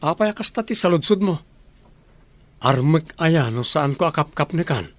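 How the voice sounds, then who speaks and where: A man's voice: a little high, lively intonation, moderate pace, no room sound, lightly acted. A man playing a breezy Ilocano buddy. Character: breezy young male friend who calls others bro. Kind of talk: radio drama acting.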